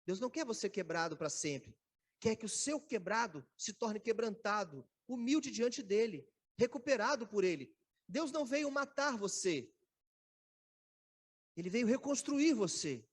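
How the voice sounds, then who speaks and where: Brazilian male pastor, very high-pitched, animated sermon delivery that dramatizes scripture and addresses the congregation directly. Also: unhurried. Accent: Brazilian Portuguese. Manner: animated preaching, calls on listeners by name; acts out biblical speech dramatically. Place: church sanctuary.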